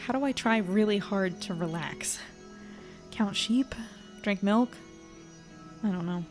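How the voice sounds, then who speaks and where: A woman's voice: medium pitch, slow, faint music behind, natural voice. A woman playing an anxious, self-mocking young reporter in an audio drama, talking in a wry, rambling, hesitant way. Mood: worried, wry. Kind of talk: audio drama acting, intimate diary monologue.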